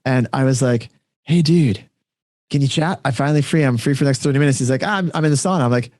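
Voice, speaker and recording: A man talks quickly as a podcast co-host in a casual, chatty way. His delivery rambles and is peppered with informal slang. The sound is dry, with almost no room in it. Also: medium pitch, a little mellow, no room sound. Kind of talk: casual chat among friends.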